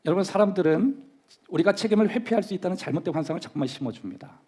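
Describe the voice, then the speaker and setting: A man preaching from the pulpit with a slightly raised pitch and a husky, breathy edge. His voice swings widely up and down as he drives his points home, leading the congregation through call-and-response. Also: expressive, very fast, dark tone. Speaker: pastor. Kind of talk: sermon. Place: church sanctuary.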